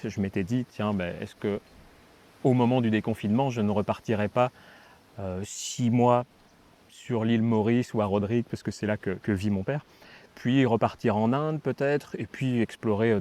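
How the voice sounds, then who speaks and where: A man's voice: fairly low pitch, normal speed, a little mellow. A man with an accent from France, telling personal stories in a casual, conversational way as a vlogger. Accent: French from France. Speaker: vlogger telling a life story with partner. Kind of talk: casual storytelling chat.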